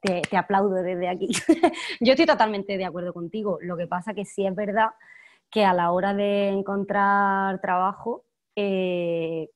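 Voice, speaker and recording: A woman in her twenties with an Andalusian accent, chatting lively as an actress in an interview, laughing often. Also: mid-range voice, unhurried. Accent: Andalusian Spanish. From Andalusia, Spain. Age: 20s. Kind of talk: casual interview chat.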